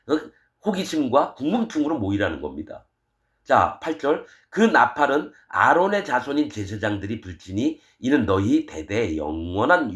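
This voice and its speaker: A middle-aged man preaching a sermon as pastor, fiery and scolding, switching between loud outbursts and quiet asides. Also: medium pitch.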